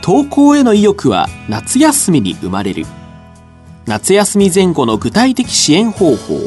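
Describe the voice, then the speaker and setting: Lively-pitched male radio announcer. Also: faint music behind. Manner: clear measured reading, repeats dates.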